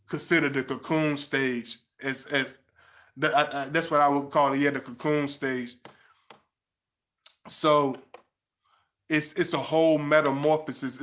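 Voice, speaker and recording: A man's voice: a little high, sharp tone. A man, talking to viewers in a rambling way with many restarts and "you know what I'm saying". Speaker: channel host. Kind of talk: casual monologue to viewers.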